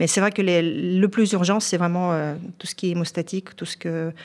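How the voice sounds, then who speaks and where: Monotone, flat intonation from a woman with a fairly low pitch at a moderate pace, on a very clean recording with a silent background. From Donbass, eastern Ukraine. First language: Ukrainian or Russian (speaking French). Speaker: volunteer aid organiser. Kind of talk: radio interview. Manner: halting, many repeated words.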